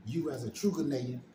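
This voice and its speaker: An African American man hosting a relaxed, informal chat, clearing his throat often, recorded on a phone at home. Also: mid-range voice, reverberant, noisy background. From United States. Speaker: host. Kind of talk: casual conversation.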